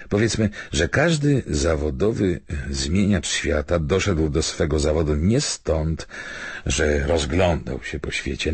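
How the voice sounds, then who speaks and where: Man reading as reflective male stranger, audiobook, measured, argumentative, gravelly, dry close sound. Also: deep voice, dry recording, exaggerated voice. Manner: thoughtful, hesitant, argumentative.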